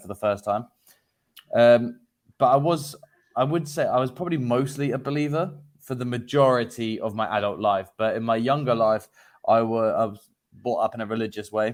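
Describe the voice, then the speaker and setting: Talking at a fairly quick pace, a man with an English accent uses a medium pitch and ordinary pitch variation. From England. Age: 20s. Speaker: paranormal investigator. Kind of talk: casual chat.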